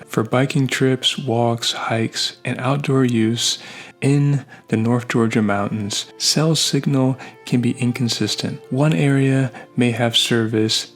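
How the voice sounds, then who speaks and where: A man narrating a scripted product review in measured, short, plain phrases. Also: mid-range voice.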